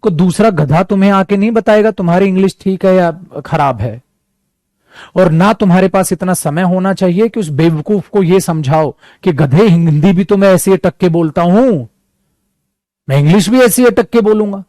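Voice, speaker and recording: A man's voice: high voice, warm tone, no room sound. A man teaching spoken English with an Indian English accent, mixing Hindi and English and calling his students "beta". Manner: calls students "beta", mixes Hindi and English, slows right down for English examples. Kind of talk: bilingual classroom lesson.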